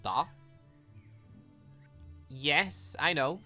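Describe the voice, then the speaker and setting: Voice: medium pitch, extremely slow, bright, forceful tone, faint music behind. A gamer reading aloud a mild, dry young woman student in a visual novel, hesitant and mildly reproachful. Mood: gently chiding.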